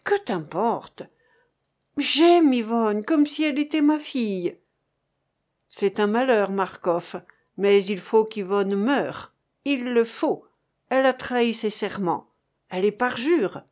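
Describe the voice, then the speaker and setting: A woman reading the part of a desperate young Breton man in an audiobook, speaking in a dark, resolute way. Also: on the high side, animated, takes it slowly. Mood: grim.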